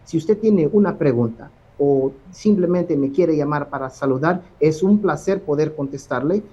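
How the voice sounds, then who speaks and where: A man's voice: on the high side, moderate pace, mellow, breathy edge, muffled recording. A man appearing as a lawyer guest, talking in a friendly, inviting way. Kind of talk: interview guest chat.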